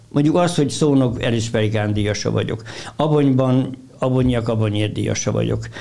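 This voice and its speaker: A man speaks at a fairly quick pace with ordinary pitch variation, his voice carrying audible room echo over noticeable background noise. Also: medium pitch for a man, very even loudness. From Hungary, Pest county (Abony). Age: 70s. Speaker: festival organizer. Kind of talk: casual interview.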